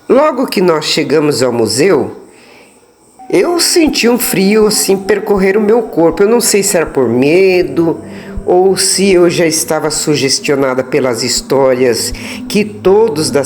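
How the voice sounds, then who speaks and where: A woman with a Brazilian Portuguese accent narrating a suspense story in a dramatic storytelling manner with drawn-out words. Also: lowish voice. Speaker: storyteller, channel host. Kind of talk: scripted horror story narration.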